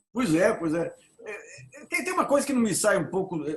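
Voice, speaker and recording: Talking at a very fast pace, a man makes very wide pitch swings. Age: 70s. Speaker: journalist, interview host. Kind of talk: interview conversation.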